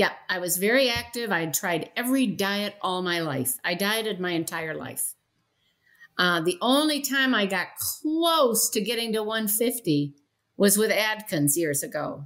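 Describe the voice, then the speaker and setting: A woman at a fairly slow pace, her pitch swinging very widely, over a quiet background. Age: 70s. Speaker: intermittent fasting success story. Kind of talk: interview. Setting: remote call. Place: home room.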